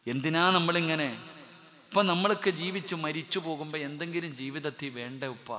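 A man preaching a fiery sermon, swinging between loud outbursts and hushed tones. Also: on the high side, steady tone, a little fast. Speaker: Islamic preacher.

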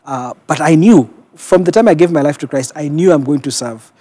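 Appearing as a guest in a TV studio, a Kenyan-accented senior pastor in middle age reflects on his life story in a calm, measured way with pauses. His mellow voice is a bit higher than average, captured cleanly on a lapel mic without echo.

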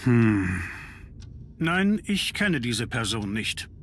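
A man's voice: medium pitch, big pitch swings, extremely slow, heavily acted. An actor voicing an irritable, aloof nobleman in a game dub, curt and dismissive.

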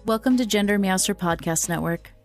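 A woman's voice: mid-range voice, a little fast. Woman reading a show intro over music. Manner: even, read-out delivery. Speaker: show announcer. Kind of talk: scripted intro narration. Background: faint music.

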